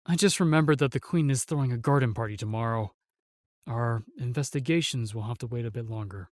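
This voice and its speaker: A man's voice: mid-range voice, fairly quick, no room sound, clean studio sound, lightly acted. An actor playing a protective male knight in a fantasy audio roleplay, formal, courteous and earnest. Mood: gentle, courteous.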